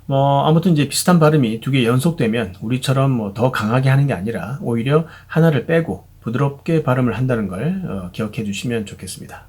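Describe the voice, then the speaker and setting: A man's voice: mid-range voice, animated, a little fast, hardly any pauses, a little mellow, breathy edge. A man teaching English pronunciation in a patient, chatty video lesson, often checking in with the viewer. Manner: patient, chatty, frequent fillers and "그죠?" check-ins.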